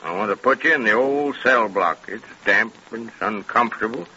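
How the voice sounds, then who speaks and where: A canny, folksy jail sheriff, speaking with a very sharp, forceful edge at a medium pitch. It is old radio drama, dull and slightly hissy. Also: male voice. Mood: confiding, firm. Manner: folksy, commanding, drawn-out warnings. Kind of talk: 1930s radio acting. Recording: scratchy, band-limited 1930s radio recording.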